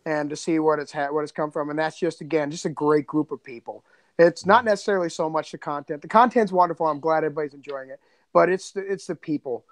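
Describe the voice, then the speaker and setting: Male podcast co-creator, high voice, loose and rambling conversational delivery, very dry sound. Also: quick pace, no room sound. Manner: rambling, repeats phrases. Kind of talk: casual chat.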